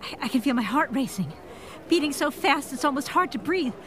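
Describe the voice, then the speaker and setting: Flustered woman, higher pitch, fretful, hesitant, anxious, 1940s-style radio play. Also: lively intonation, brisk, a bit bright. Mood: shaken, overwhelmed. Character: anxious, flustered, easily shocked city woman. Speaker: actor in an audio drama. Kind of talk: 1940s pulp radio drama acting.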